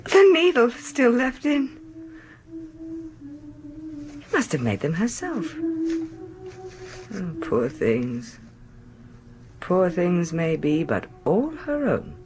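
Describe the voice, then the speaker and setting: An actress playing a curious, persistent, genteel mistress of a house in a radio drama, questioning and dramatic in manner. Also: female voice, fairly low pitch, wildly swooping pitch, slow, long pauses, darkish tone, exaggerated voice, rough recording. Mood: wondering, hushed.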